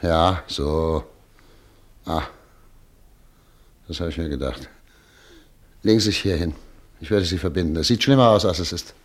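Radio play role: courteous, guarded medical professor with a low, businesslike delivery. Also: male voice, unhurried, long pauses. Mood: brisk, guarded. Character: composed, brisk male doctor, courteous and guarded professor. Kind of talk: German radio play acting.

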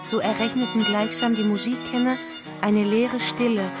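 A woman's voice: fairly high pitch, steady tone, moderate pace, close to an everyday voice. Woman as solemn narrator over music. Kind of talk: scripted radio play narration.

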